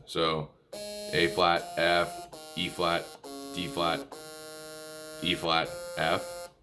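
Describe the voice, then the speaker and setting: A man giving an informal music lesson, calling out notes in a halting, easygoing way and correcting himself as he goes. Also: low voice, monotone. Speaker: music tutorial instructor. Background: musical instrument playing between and under phrases.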